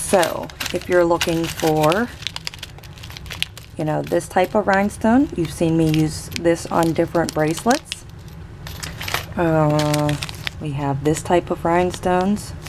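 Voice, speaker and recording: The speech has long, frequent pauses over noticeable background noise. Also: fairly slow pace. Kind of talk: casual product walkthrough.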